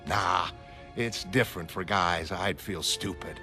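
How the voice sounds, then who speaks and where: A man's voice: low-pitched, unhurried, sharp tone, exaggerated voice. A man playing a genial, self-deprecating older retired hero, nostalgic and folksy. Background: music.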